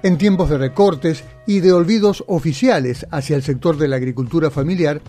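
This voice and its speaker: Mellow man narrating a news feature. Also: a little high, brisk, soft background music. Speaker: reporter and narrator.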